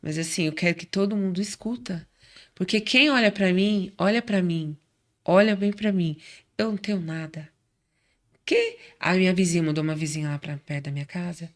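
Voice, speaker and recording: A woman's voice: lowish voice, normal speed. A middle-aged woman from Brazil telling her faith story in casual chat, acting out quoted voices as she goes. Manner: warm chatty storyteller, acts out quoted voices. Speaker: guest.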